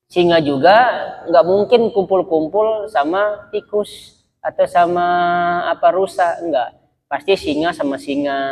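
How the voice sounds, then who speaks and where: A man's voice: on the high side, a little mellow. A male Islamic preacher from Sumatra giving a casual religious lecture, talking conversationally and often addressing his listeners directly. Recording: dull lo-fi recording.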